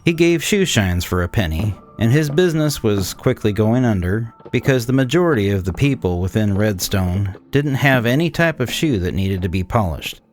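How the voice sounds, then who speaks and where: A man playing a cynical, disdainful 1800s swindler, narrating a gothic horror tale in a measured, condescending way. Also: lowish voice, expressive, soft background music, close to an everyday voice. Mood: grim, detached. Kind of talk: scripted dramatic horror narration.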